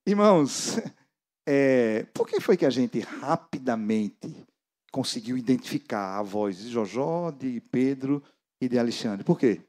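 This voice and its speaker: Brazilian pastor guy preaching, gets loud then goes all quiet and prayerful. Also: medium pitch, lively intonation, unhurried. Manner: emphatic, swinging from loud to soft prayer. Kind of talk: sermon. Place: indoor church gathering.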